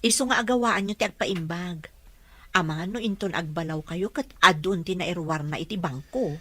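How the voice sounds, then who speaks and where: A woman's voice: lowish voice, normal speed, natural voice. Actress doing a young lady caregiver in a radio drama, earnest and respectful to her boss. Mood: earnest, concerned. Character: earnest, deferential young female caregiver to a rich man. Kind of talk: Ilocano radio drama acting.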